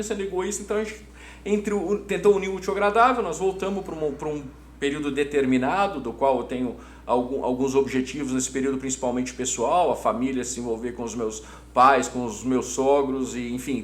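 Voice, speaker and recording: A middle-aged Brazilian man answering conversationally as an interview guest, enthusiastic and emphatic, often repeating his words. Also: mid-range voice. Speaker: interview guest, hotel business executive. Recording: roomy echo, audible background hum.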